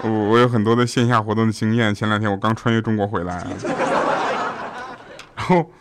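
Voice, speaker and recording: A man who hosts an audio show and delivers a stand-up comedy monologue. He builds deadpan setups into quick punchlines and often turns to the listener with "you know?". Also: fairly low pitch, very noisy.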